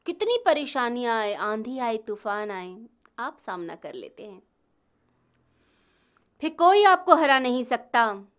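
A woman speaks in a devotional discourse, her voice sitting slightly high. She takes her time, unhurried and deliberate, swelling on key phrases before dropping to quiet endings. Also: very animated. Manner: slow, measured preaching with rising and falling emphasis. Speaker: spiritual speaker.

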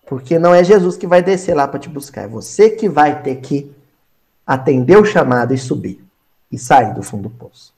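A man with a Brazilian accent teaching a Spiritist gospel study, animated, acting out small scenes and repeating phrases for emphasis. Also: on the high side, moderate pace. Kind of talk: spoken gospel study lesson.

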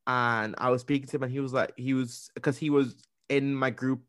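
Host, man, 30s, Trinidadian accent, quick rambling storyteller, dry close sound. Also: medium pitch, level tone, a bit bright, clear, resonant tone, dry recording. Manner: fast, rambling, with many restarts. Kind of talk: casual storytelling chat.

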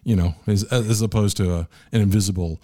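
A man's voice: on the low side, a little fast, mellow, no room sound, clean studio sound. A male radio show host interviewing a guest in an easygoing way, with many filler sounds. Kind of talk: interview hosting.

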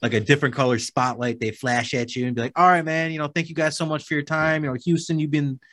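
A man's voice: a little high, fairly even intonation, quick pace, fairly bright tone, no room sound. A man hosting a podcast, asking questions in a laid-back way with "man" and "dude". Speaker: podcast host. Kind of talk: casual podcast interview.

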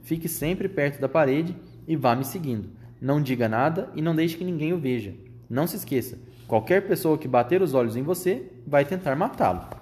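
A clever young boy turned into a mouse, talking calmly and persuasively in a slightly raised voice, as a man reading a storybook puts him on. He reasons patiently and urges his friend on. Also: fairly high pitch, a little fast, slight background noise, natural voice. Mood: urging.

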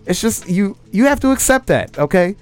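A man in his late twenties, talking loudly and emphatically on a podcast and often asking "you know what I mean?". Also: high-pitched, sing-song, moderate pace, smooth, soft background music. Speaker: podcast host. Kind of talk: casual conversation.

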